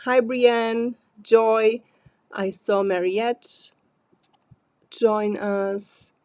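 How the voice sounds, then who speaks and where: A woman with a stuffy, congested voice hosts a live card-making stream in a chatty, loosely paced way, clearing her throat now and then. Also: fairly high pitch, steady tone, drawn-out words, darkish tone, no room sound, clean studio sound. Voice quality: frequent throat clearing and fillers. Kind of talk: casual live-stream chat.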